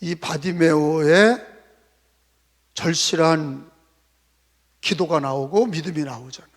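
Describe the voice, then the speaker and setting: A male pastor preaching a sermon in a church, emphatic, firing off rhetorical questions and bursting out loud. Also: on the high side, slow. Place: church sanctuary. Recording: long hall reverb.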